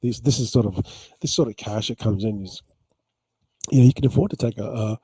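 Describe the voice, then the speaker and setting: A man's voice: fairly low pitch, fairly quick, mellow, slightly rough, no room sound, low-quality recording. A man in a rambling casual vlog about crypto, tired after a late night, repeating himself with many ums. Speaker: crypto vlogger. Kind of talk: casual talk to camera.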